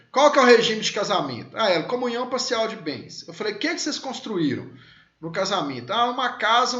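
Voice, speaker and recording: Man in his thirties lecturing on law, high lively voice, chatty with lots of fillers; echoey, dull lo-fi room sound. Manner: chatty, many fillers, asks listeners questions. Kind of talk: teaching through personal stories.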